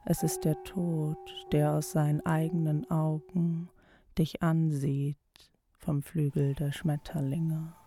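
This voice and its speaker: A woman reciting poetry in a deliberate, measured way for an audio play. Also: low voice, flat delivery. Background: music under the voice.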